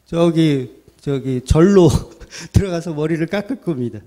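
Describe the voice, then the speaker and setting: A man's voice: fairly high pitch, expressive, measured pace, warm tone. A man preaching a sermon at a summer retreat as pastor, chatty and joking, asking the audience rhetorical questions.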